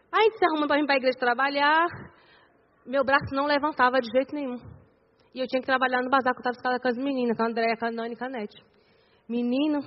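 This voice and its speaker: A woman with a Bahian accent giving an animated sermon testimony in a church, acting out the dialogue of her story. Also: fairly high pitch. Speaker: preacher. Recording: dull sound in a reverberant hall.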